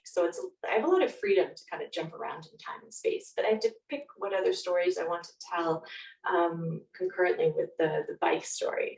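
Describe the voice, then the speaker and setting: A woman's voice: lowish voice, vocal fry, darkish tone. Roomy, distant-sounding Canadian woman, reflective. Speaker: podcast guest, nonfiction author. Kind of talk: casual interview conversation. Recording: roomy echo, distant from microphone.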